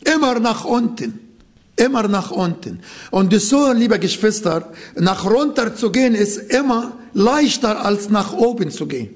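High-voiced man preaching slowly. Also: lively intonation. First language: Arabic. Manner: earnest, repeats key phrases, non-native grammar. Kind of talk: sermon.

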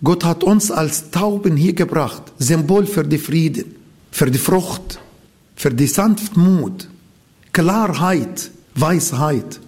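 A man preaching a sermon in a language that is not his first, with an Arabic accent, halting and stopping to search for words and correct himself. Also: fairly high pitch, darkish tone.

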